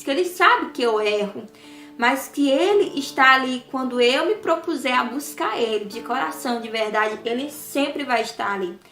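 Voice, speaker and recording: A woman giving an earnest personal faith testimony, often addressing her listeners directly. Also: sits high. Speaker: testimony guest. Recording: roomy with soft music behind. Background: faint instrumental music.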